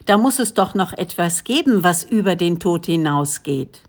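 A woman's voice: lowish voice, lively intonation, moderate pace. A woman reading the part of an eager male villager who explains folk beliefs in an insistent way.

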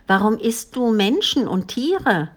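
A brave, chatty little girl in a storybook, high and eager as she scolds, as a woman reads her. She speaks carefully and unhurried. Her voice lifts with cheeky confidence. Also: very animated, heavily acted.

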